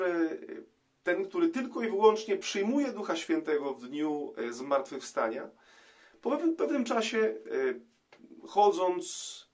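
A middle-aged man, a priest, giving a reflective gospel commentary to camera in a small room, pausing often with hesitation sounds. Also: a little high. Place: small indoor room, plain wall.

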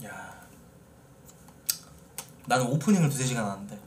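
Chatty male streamer, lively talk. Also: mid-range voice, normal speed, a little hiss or hum. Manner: talkative, teasing, addresses viewers directly. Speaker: streamer host. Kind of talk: casual live-stream chat with viewers. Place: indoor streaming room, seated in office chair.

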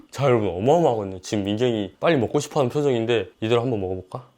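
A man's voice: medium pitch, big pitch swings, very fast, mellow. A man filming a casual fishing and cooking vlog, exclaiming often as he talks. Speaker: fishing vlogger and cook.

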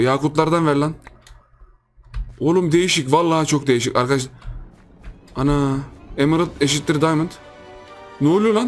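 Young man, excitable gameplay commentary, slightly high voice, faint music behind. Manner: excitable, joking, lots of exclamations and laughter. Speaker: gaming YouTuber.

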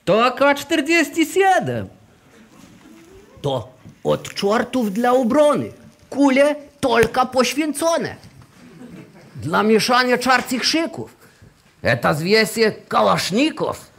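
A man's voice: very high-pitched, sing-song, takes it slowly, gravelly, pauses often, a bit bright, full character voice. An actor playing a brash male angel who served in Russia, speaking with a Russian accent and drawling his rhymes. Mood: boastful. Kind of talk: rhyming nativity comedy play.

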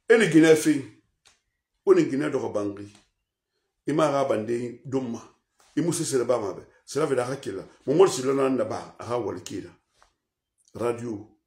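Impassioned Guinean man in an echoey room. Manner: swings between loud outbursts and low mutters; mixes French with a local language. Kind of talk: impassioned radio-style rant.

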